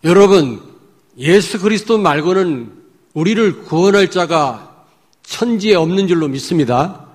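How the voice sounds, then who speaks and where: A male pastor preaching a sermon emphatically, swinging between loud points and hushed asides. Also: high-pitched, expressive, a little slow. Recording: echoey hall.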